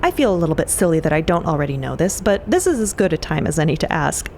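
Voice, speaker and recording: A woman playing a soft-hearted, candid adventurer in an audio drama, with an informal, hesitant, earnest way of talking. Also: low voice, very animated, fast talker, a little hiss or hum, voice pushed down.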